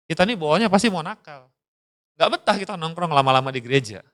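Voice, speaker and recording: Lively high-voiced man preaching to youth. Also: quick pace. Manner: lively and casual, slangy, acts out quoted voices. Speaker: youth pastor. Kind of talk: sermon.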